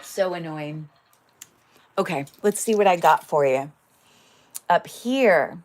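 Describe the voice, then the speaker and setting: With a lowish, animated voice, a chatty woman slowly works through a casual jewelry sales livestream, and there's slight background noise. She describes her voice as loud, uses lots of fillers, and thinks aloud while handling the items.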